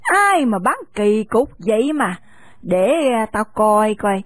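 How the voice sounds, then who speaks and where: A woman's voice: mid-range voice, sing-song, slow, no echo. A woman voicing an old village shopkeeper woman who scolds but is kind. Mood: gruff, kindly.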